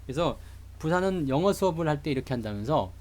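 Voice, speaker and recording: A man's voice: fairly high pitch, expressive, quick pace, darkish tone. A man from Seoul giving a chatty, joking live lecture on stock charts to online viewers. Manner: chatty, jokey, greets live chat viewers. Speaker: stock market streamer.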